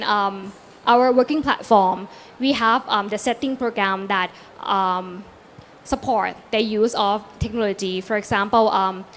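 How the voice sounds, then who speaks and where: Panelist: Thai-accented woman, hesitant, filler-heavy English, faint room hum. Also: fairly high pitch. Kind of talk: panel discussion.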